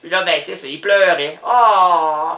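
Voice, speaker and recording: A man's voice: on the high side, measured pace, reverberant. A man voicing a rambling, scatterbrained older housewife with a Quebec French accent in a radio comedy sketch. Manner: rambling, scatterbrained, prone to sudden shouts. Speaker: comic character caller.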